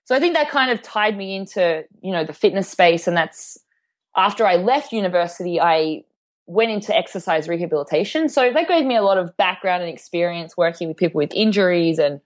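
A woman's voice: fairly low pitch, lively intonation, fairly quick. A woman with an Australian accent, a podcast guest chatting in an upbeat way with frequent ums and you knows. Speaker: guest, fitness trainer. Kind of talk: casual interview chat.

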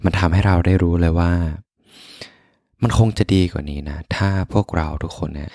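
A soft-spoken man hosting a podcast, telling personal stories as unhurried, reflective bedtime pillow talk. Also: low-pitched, no room sound, clean studio sound. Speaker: podcast host.

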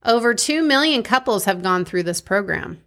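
Woman, American accent, mid-pitched voice, podcast co-host, casual storytelling, jokey banter. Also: animated, moderate pace, fairly bright tone. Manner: joking, bantering. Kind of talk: casual true-crime storytelling chat.

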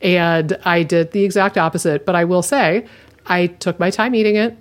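A woman with a slightly low voice talks casually on a podcast. She rambles comfortably and scatters "like" and "you know" through her sentences as she works through her thoughts. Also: fairly even intonation, moderate pace. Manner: chatty, lots of "like" fillers. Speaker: podcast co-host. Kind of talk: casual chat.

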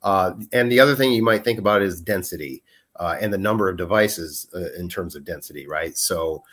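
Lower-pitched male guest, hesitant and filler-heavy explainer. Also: fairly quick, fairly bright tone. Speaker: guest, product manager. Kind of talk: podcast interview.

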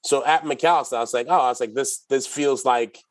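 A middle-aged man from Ghana, a company executive telling his story as an interview guest in a relaxed, chatty way. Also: mid-range voice, quick pace, dry recording. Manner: relaxed storyteller, many restarts and laughs. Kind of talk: casual interview talk.

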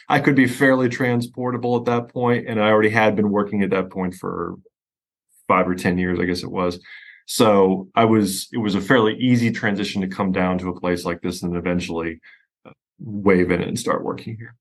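Low-voiced middle-aged lawyer from Pennsylvania, friendly, explains with restarts. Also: male voice, fairly even intonation, moderate pace. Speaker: estate planning attorney, guest. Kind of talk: podcast interview.

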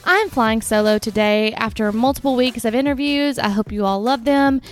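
A woman's voice: on the high side, normal speed, soft background music. A woman with a congested, nasal voice, talking casually and candidly as she hosts a solo podcast. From Southern United States. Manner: informal, candid, conversational. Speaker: podcast host.

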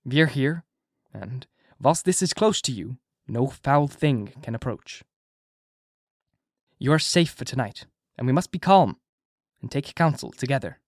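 A man voicing a calm, reassuring old professor who speaks softly and measuredly, in a storybook reading. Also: mid-range voice, a little fast, dry recording, clean studio sound, close to an everyday voice.

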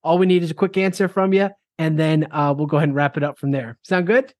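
A man's voice: a little high, steady tone, fast talker, a little mellow, dry recording. Upbeat host man, dry close sound. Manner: upbeat, repeats "I love it", fillers. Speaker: podcast host. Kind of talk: casual interview hosting.

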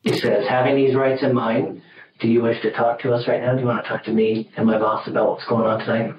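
A male police officer gently coaxing a teen, heard on old interrogation tape footage from an interrogation room. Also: mid-range voice, level tone, quick pace. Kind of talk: interrogation talk. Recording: roomy, distant, dull, noisy interrogation tape.

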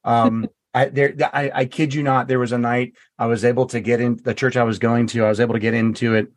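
This is an author guest in a storytelling interview, a man with a mid-range voice recorded with no room sound. He tells personal stories haltingly, stumbling over and repeating words, and grows animated when quoting himself.

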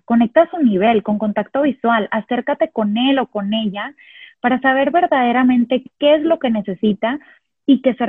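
A woman calmly explaining parenting steps one at a time, sometimes acting out the phrases she would say to a child. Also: on the high side, no echo. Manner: calm step-by-step explaining, models phrases to children. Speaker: parenting educator. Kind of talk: instructional talk on positive discipline. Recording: husky voice over a tinny phone-like line.

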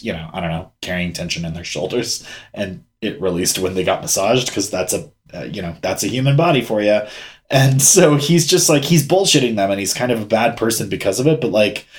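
A man co-hosting a podcast, recapping an anime in an animated, chatty way and thinking aloud as he goes. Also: fairly low pitch. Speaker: podcast co-host. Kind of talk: casual anime recap chat.

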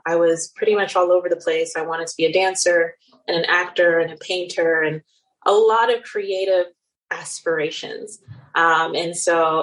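Woman in her 30s, general American accent, lowish voice, earnest reflective interview guest. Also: fairly bright tone, rough recording. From Nigeria and the Netherlands. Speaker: cosmetic surgeon guest. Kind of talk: interview conversation.

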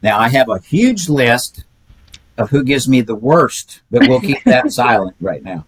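A man's voice: medium pitch, very animated, measured pace, slightly rough, no echo, poor audio. An older man, telling folksy stories as a podcast guest and chuckling often. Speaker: guest, retired pedigree reader. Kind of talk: casual podcast chat.

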